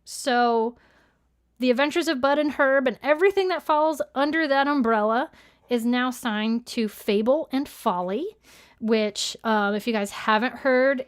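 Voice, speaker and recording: A woman with a fairly high voice co-hosts a casual live stream. She talks in a jokey, irreverent way and is happy to swear. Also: clean tone. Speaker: podcast co-host and show creator.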